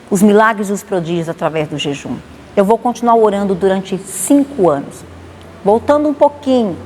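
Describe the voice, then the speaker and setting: A woman pastor with a Bahian accent, giving a lively spoken testimony and acting out the dialogue. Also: mid-range voice. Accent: Bahian Portuguese. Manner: animated, acts out dialogue. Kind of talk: testimony storytelling. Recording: long reverb, faint noise.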